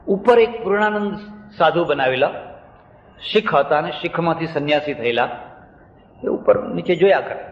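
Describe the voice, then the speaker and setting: An older man with a Gujarati accent giving a storytelling sermon as a swami, repeating phrases for emphasis. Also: a little high. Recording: echoey hall, dull lo-fi sound.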